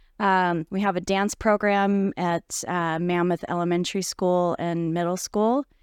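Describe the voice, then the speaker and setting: A woman with an American accent and a plain, everyday voice speaks at a fairly slow pace with hardly any pauses, her pitch medium and her intonation fairly even. The recording is very clean, with a silent background and a dry, close sound with no echo. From California, Mono County. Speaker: arts council executive director. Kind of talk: casual interview.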